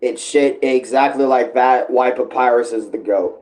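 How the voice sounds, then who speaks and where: A man's voice: mid-range voice, steady tone, normal speed, darkish tone. A man doing casual live reaction commentary as a streamer, talking in slang with a lot of swearing.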